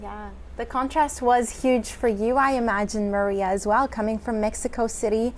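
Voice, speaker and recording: A woman's voice: on the high side, steady tone, moderate pace, a little hiss or hum. A woman moderating a panel discussion, asking inviting questions of the guests.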